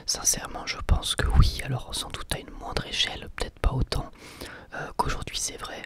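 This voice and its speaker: A man who hosts an ASMR channel answers questions from viewers, whispering softly and hesitantly with frequent pauses.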